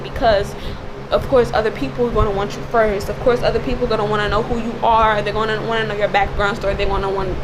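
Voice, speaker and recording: Higher-pitched, raspy woman, noisy recording. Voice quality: slightly raspy, cracking voice. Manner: emphatic, repetitive listing. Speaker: video creator. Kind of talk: informal spoken commentary with religious exhortation.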